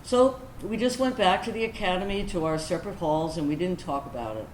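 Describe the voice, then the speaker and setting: A woman acting a candid lesbian military veteran in a staged reading, telling her story in a wry, confessional, conversational way with deliberate pauses. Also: lowish voice, a little mellow, lightly acted. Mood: tender, amused. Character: candid lesbian military veteran recalling academy first love. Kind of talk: dramatic first-person monologue in a staged reading. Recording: roomy echoing stage recording, background noise.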